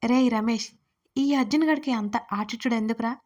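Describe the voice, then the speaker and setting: A brash, hot-tempered young man in a storybook reading, played by a woman narrator. He talks aggressively and boastfully, in her own fairly high voice. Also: fairly quick, darkish tone, lightly acted. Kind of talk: audio story character voice.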